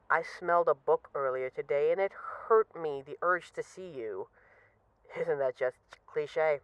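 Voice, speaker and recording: A woman's voice: deep voice, a bit bright, smooth, no echo, dull audio. A woman acting as a bored, restless mafia boss who misses a partner, talking in a wry, dramatic, rambling way in an intimate voice-message roleplay. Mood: wistful, tender.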